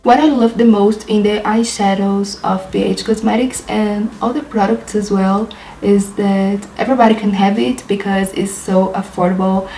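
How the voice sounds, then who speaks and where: A woman's voice: mid-range voice, fairly even intonation, moderate pace, mellow, roomy sound, a little hiss or hum, rough recording. A young woman from Brazil with a Brazilian Portuguese accent, chatting through a makeup tutorial in her apartment and describing each step while laughing often. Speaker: beauty vlogger. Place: apartment in a big city.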